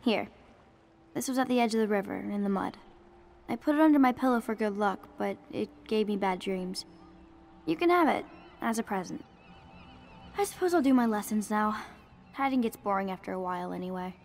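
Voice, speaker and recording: An actress playing a playful, sulky young princess in a video game. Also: female voice, mid-range voice, animated, fairly quick, vocal fry, long pauses, a little mellow, in a large hall. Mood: playful, confiding. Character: playful, sulky young girl heir to a throne.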